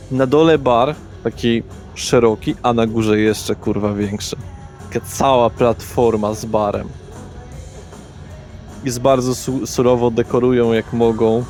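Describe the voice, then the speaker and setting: A man's voice: mid-range voice, darkish tone. A man narrating an improvised tabletop role-play as game master, in colloquial language.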